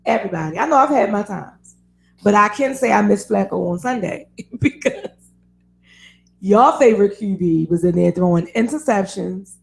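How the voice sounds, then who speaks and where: A woman with a raspy voice hosting a casual sports talk radio show, chatty and opinionated, laughing often. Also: medium pitch, animated, normal speed, a little mellow, rough recording.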